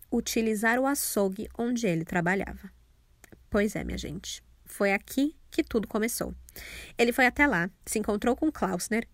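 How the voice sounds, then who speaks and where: A woman's voice: mid-range voice, dry recording. Irreverent young Brazilian woman, true crime. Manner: irreverent, sarcastic, swears freely. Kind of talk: casual true crime storytelling.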